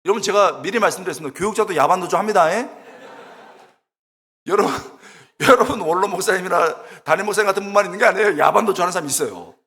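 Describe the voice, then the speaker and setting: A middle-aged man preaching a sermon, telling funny stories in an animated, exclamatory way and acting out the people in them. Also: high voice, fast talker. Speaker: guest preacher, preaching professor. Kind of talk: sermon with humorous storytelling. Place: church sanctuary. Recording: long church reverb.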